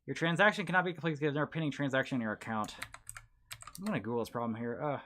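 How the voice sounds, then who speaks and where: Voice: medium pitch, very fast, a bit bright. A stream host chatting casually, rambling and trailing off while reading game titles aloud. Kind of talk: casual chat.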